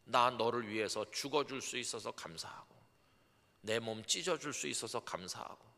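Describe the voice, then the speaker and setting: A middle-aged male pastor gives a dawn sermon, moving between soft storytelling and emphatic preaching. His voice is gravelly with a bright, forceful edge. The sound carries a long church-hall reverb. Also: mid-range voice, moderate pace. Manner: acts out quoted voices, swings from soft to emphatic. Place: church sanctuary.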